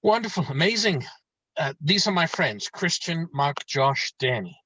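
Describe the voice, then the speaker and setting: Man reading gentle young host, lightly pitched. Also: animated, unhurried, no echo, muffled recording. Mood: proud, affectionate. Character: gentle, proud young man hosting friends at home. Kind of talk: table read of a film script.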